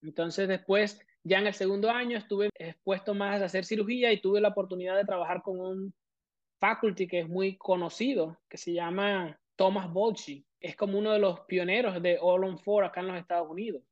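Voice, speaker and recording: A man's voice: high voice, steady tone, brisk, no room sound, dull audio. A man from Venezuela in his thirties with a Venezuelan accent, a guest explaining his career at length with many fillers. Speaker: guest prosthodontist. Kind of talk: casual interview.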